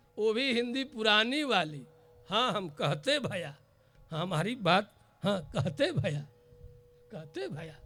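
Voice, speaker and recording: Raising and projecting his voice, a man with a Bihari accent speaks at a high pitch in a bright, sharp tone with very wide pitch swings. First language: Bhojpuri (speaking Hindi). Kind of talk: sermon. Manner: animated, conversational asides.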